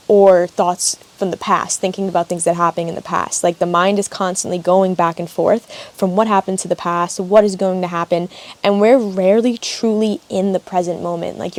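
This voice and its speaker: A woman's voice: fairly low pitch, darkish tone. A young woman hosting a casual solo podcast from an open air cabin, chatty and rambling with lots of "like" fillers. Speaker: podcast host and yoga teacher. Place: open air cabin outdoors, wind in background.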